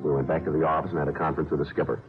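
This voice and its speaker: An actor playing a matter-of-fact police detective who narrates in short, flat sentences, in a 1950s radio crime drama. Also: male voice, very deep voice, rapid-fire, soft background music. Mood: clipped. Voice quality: flat, clipped delivery. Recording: tinny old radio broadcast.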